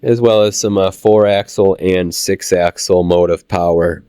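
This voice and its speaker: A man with a Midwestern American accent, casually narrating a walk through a model train show, halting with fillers while he gets over a cold. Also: sits low, smooth, dry recording. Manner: relaxed, halting with many "uh" fillers. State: recovering from a cold. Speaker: channel host touring a train show.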